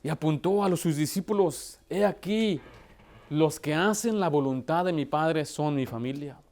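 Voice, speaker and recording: A man's voice: fairly high pitch, normal speed, darkish tone. A man who is a pastor preaching a sermon, telling family stories and addressing the congregation directly. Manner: storytelling with acted quotes and direct address.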